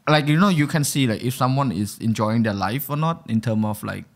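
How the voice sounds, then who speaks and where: A man's voice: mid-range voice, expressive, brisk. A man hosting a casual podcast chat, talking loosely with many fillers. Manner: casual, lots of "like" and "you know". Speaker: podcast host.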